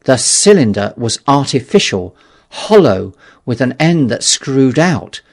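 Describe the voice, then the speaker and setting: A man narrating a literary audiobook in a measured, dramatic storytelling manner. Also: medium pitch, very animated.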